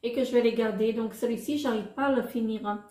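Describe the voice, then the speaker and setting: A woman vlogger casually showing her makeup products, halting often with fillers and restarts. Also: on the high side, steady tone, echoey room, noisy background. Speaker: beauty vlogger.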